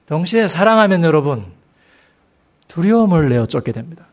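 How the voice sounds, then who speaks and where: Korean male preacher, emphatic and slow. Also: fairly high pitch, very animated. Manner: slow, emphatic delivery with rhetorical questions to the congregation. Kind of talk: sermon. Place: church sanctuary.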